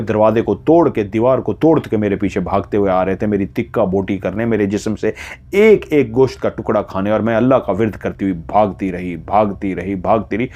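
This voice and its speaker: A man's voice: lowish voice, mellow, lo-fi sound. A man narrating a horror story dramatically, in a suspenseful way, repeating phrases for emphasis.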